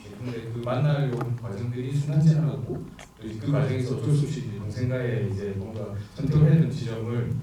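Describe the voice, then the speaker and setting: A man's voice: mid-range voice, fast, few pauses, a crowd in the background. A man, a filmmaker guest explaining at a screening Q&A, with lots of fillers. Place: cinema auditorium. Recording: echoey hall, distant mic.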